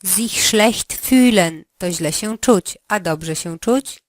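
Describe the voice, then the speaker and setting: Slow, clear teaching woman. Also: mid-range voice, no room sound, studio quality. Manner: slow, carefully articulated prompting. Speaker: language teacher. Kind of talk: language lesson drills.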